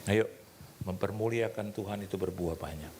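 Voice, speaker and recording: A man preaching as a pastor, telling stories in a lively way and acting out the dialogue. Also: deep voice, moderate pace. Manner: animated storytelling preacher, acts out dialogue. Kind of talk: sermon.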